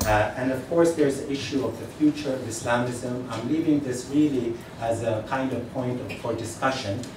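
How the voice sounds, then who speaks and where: A man is speaking. Audible room echo and noticeable background noise surround his voice. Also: moderate pace. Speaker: political science professor. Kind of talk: academic panel talk. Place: hall.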